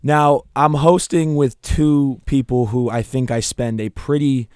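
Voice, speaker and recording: Hoarse young man hosting sports talk. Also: mid-range voice, unhurried, dry recording, studio quality. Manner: energetic, talks through his points with restarts. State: hoarse, croaky voice. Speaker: podcast host.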